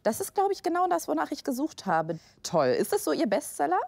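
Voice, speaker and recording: A woman's voice: sits high, sing-song, a little fast, vocal fry, darkish tone, no room sound. A woman hosting a camping reality show, chatting casually and talking dramatically about what she dislikes. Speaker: host.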